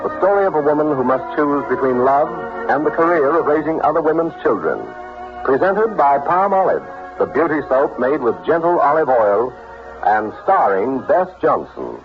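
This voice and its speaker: Animated vintage radio announcer man, fairly high. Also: moderate pace. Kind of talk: scripted vintage sponsor announcing. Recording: dull old radio broadcast recording. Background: music.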